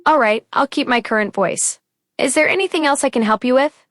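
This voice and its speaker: A woman's voice: sits high, a little fast, dry recording, studio quality. A synthetic female voice assistant answering politely and evenly. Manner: polite, even, helpful phrasing.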